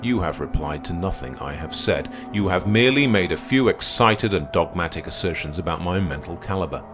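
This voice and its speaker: A man doing a deep-voiced fiery young orator. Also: expressive, a little fast, over music. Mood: commanding. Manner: forceful, declamatory speechmaking. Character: fiery young male revolutionary orator, commanding. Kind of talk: audiobook character reading.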